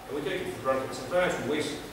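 Speaking fast in a fairly high voice, this young Kazakh club speaker gives a prepared talk in a small meeting room, sincere but halting and packed with fillers. The audio comes from a far-off camera without a microphone, leaving it noisy and full of echo.

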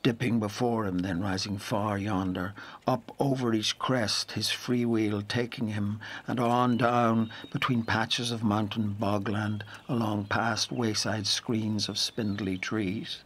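Storyteller for an audio drama, lowish voice, brooding and lyrical, really measured. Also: male voice, steady tone, fairly bright tone, a little hiss or hum. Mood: evocative. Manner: measured, lyrical, deliberate phrasing. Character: brooding male storyteller of a boy's lonely journey. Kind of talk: literary audio drama narration.

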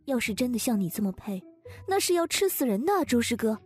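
A woman plays a young female doctor in an audiobook. Her high voice carries pity and reproach, with music underneath. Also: big pitch swings, fast talker, a little mellow, slightly rough. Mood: pitying, reproachful. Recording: music bed behind.

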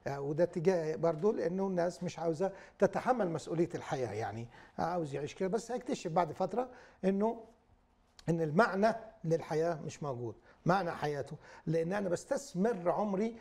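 Older Egyptian man, gravelly, quick and reassuring TV guest. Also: on the high side, animated, darkish tone. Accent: Egyptian Arabic. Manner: jovial, reassuring, rapid. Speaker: guest speaker, doctor. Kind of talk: live studio talk show.

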